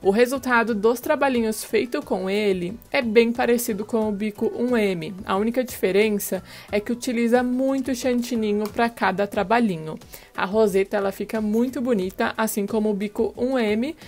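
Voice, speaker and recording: A woman's voice: a little high, normal speed, a little mellow. A woman in her thirties with a Brazilian accent, presenting a casual tutorial as a channel host on a lapel mic. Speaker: host of a cake decorating channel. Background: background music.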